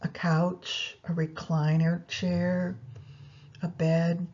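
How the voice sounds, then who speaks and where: A woman leading a guided yoga nidra meditation, giving unhurried instructions directly to the listener. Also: on the low side, flat delivery, a little mellow, lo-fi sound.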